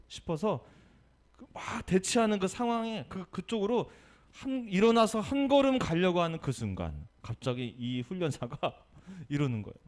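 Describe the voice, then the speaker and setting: A male pastor giving a Sunday sermon, telling a story with lively energy and asking the congregation questions. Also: on the high side. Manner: animated storytelling, acting out quotes.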